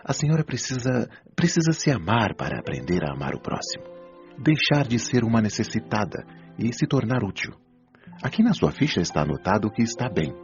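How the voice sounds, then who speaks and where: Man playing a deep-voiced, patient Brazilian spirit doctor. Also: very animated. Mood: patient, firm. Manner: didactic, measured, gently admonishing. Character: patient, wise male spirit doctor counselling souls. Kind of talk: Brazilian audio drama acting. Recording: dull lo-fi audio, music behind.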